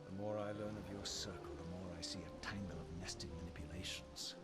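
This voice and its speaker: An actor playing an eloquent, bitterly accusing undead wraith in a video game, with formal, theatrical, deliberate diction. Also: male voice, deep voice, natural voice. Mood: coldly argumentative. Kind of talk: dramatic video game narration and dialogue. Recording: music behind the voice.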